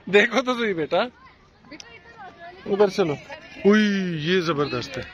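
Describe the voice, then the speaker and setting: A man's voice: high voice, big pitch swings, slow pace, a faint crowd. A young man, vlogging at an outdoor park and coaxing his child along in a playful, encouraging way. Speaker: vlogger father. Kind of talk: casual vlog chat. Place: outdoor amusement park by a lake. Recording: muffled outdoor recording with noise.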